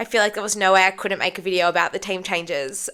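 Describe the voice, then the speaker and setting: Recorded very cleanly over a silent background, a woman with an Australian accent speaks at a medium pitch with a bright, sharp tone and fairly even intonation. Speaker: football fan vlogger. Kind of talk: casual vlog commentary.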